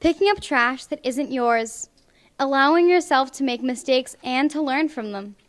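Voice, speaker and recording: High-voiced young woman reading aloud. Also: moderate pace. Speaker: volunteer storybook reader. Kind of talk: reading a picture book aloud to children. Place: public library, indoors.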